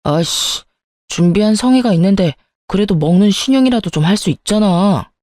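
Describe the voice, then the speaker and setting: Brief: female reader playing a grasping husband in an audio drama, dark, dry, sulky, flares up. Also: medium pitch, animated, moderate pace, no echo, lightly acted. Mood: wheedling, sulky. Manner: sulky, accusing, turns to shouting. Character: petty, calculating young husband, quick to anger.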